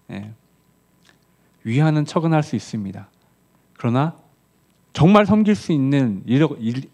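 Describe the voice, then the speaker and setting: A man preaching an early-morning sermon as pastor, in a conversational style that rises on quoted lines and drops soft on key words. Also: a little high.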